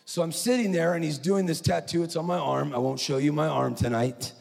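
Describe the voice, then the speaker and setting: A man preaching at a conference, telling a story with animated, acted-out quotes. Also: fairly high pitch, brisk, gravelly. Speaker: conference speaker. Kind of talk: preaching sermon. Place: large conference hall. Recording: echoey hall.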